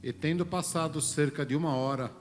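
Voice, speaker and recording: A man's voice: on the high side, fairly even intonation, brisk. A man reading Bible verses aloud during a church service. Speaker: scripture reader at a church service. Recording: long hall reverb, music behind.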